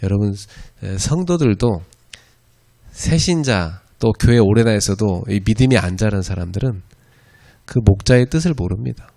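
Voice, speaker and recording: Guy pastor giving a chatty sermon class, low gravelly voice, keeps asking the room "right?". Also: animated, moderate pace, dark tone. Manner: conversational, frequent "예" and "그죠?" asides to the audience. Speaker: pastor teaching an evangelism school. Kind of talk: sermon lecture. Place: church.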